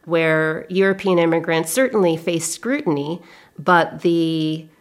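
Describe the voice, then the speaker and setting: Speaking in a low-sitting voice, this American historian responds to interview questions with care. She chooses her words deliberately, in a measured and halting way.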